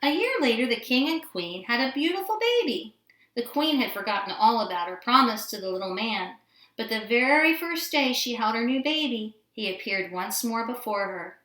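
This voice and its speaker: Female children's storyteller, fairly high voice, expressive read-aloud, recorded in an echoey room. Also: moderate pace. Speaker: storybook reader. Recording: roomy indoor echo.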